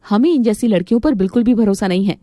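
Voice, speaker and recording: A woman's voice: medium pitch, animated, quick pace, dark tone, faint music behind, lightly acted. A woman voicing a hot-tempered young wife in a cartoon, scolding and commanding.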